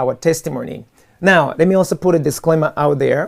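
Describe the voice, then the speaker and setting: A man with a Rwandan accent, fairly high in pitch, at a moderate pace with ordinary pitch variation. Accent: Rwandan, noticeable. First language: Kinyarwanda. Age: 40s. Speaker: talk show host. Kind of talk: live talk show monologue. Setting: live online studio via Zoom. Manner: halting, many fillers and restarts.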